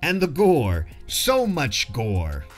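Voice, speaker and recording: A man's voice: medium pitch, huge pitch swings, slow, over music. A man narrating a casual scripted film review in a jokey, slangy way.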